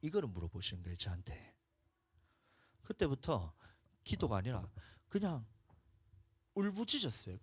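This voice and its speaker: A man with a Gyeongsang Korean accent preaching a sermon in a church, telling a testimony and swinging between hushed talk and loud shouts. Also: medium pitch, very animated, normal speed, pauses often, husky, no room sound. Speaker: pastor. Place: church sanctuary.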